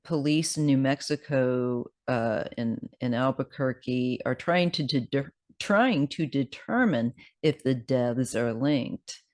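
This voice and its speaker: A tarot reader with a scratchy voice, talking casually and haltingly, unscripted, sometimes reading aloud. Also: medium pitch, a little mellow. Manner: hesitant, halting delivery. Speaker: tarot card reader host.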